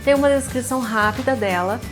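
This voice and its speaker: A woman with a fairly high voice and a Brazilian accent with a pulled R hosts a writing lesson. She speaks directly and informally to the viewer, with faint music behind her. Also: quick pace. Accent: Brazilian Portuguese with a pulled R. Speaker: host of a writing advice series, author. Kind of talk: didactic video talk with read-aloud book excerpts.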